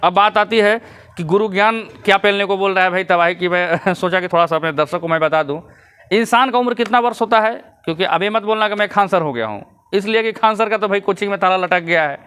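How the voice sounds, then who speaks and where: A man's voice: sits high, fast talker, pushed and bright, clear, resonant tone. A man giving casual vlog commentary, lecturing his viewers and chuckling between points. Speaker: YouTube commentator.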